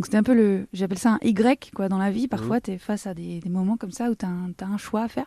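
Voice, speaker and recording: A dark, mellow, somewhat breathy voice at a moderate pace, ordinary pitch variation, dry and close with no echo, over a quiet background. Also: woman. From southern France. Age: 30s. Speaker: singer. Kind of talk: radio interview. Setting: radio studio.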